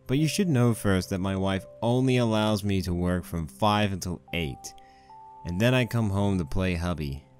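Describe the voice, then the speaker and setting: Man acting a deep-voiced, rambling stallion husband. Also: lively intonation, normal speed, a little mellow, soft background music. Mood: wry storytelling. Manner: conversational, rambling, wry. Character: rambling, sheepish young married stallion pony husband. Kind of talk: first-person fan fiction monologue.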